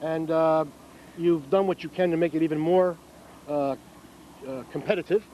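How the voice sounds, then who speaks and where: A man interviewing outdoors at a model airplane competition, putting his questions haltingly and step by step. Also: a little high, fairly even intonation. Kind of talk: on-site field interview. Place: outdoors at a flying field. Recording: muffled, noisy outdoor field recording.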